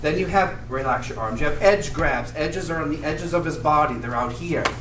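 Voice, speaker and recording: Audible room echo and light background noise surround a man whose pitch varies in an ordinary way. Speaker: martial arts instructor. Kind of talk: class instruction. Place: gym. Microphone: camera far.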